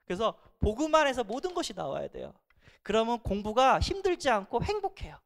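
A pastor delivers a sermon with a lively pitch that climbs and drops freely. The delivery is emphatic, alternating between loud emphasis and hushed asides. Rhetorical questions are put to the congregation again and again. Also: brisk, vocal fry.

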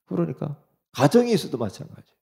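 A middle-aged man preaches to his congregation with a gravelly, dark tone. His pitch moves a great deal, and he shifts from quiet asides to loud, pressing exhortation. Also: a little fast. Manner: animated, swings between soft asides and loud exhortation. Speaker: pastor. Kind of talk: sermon.

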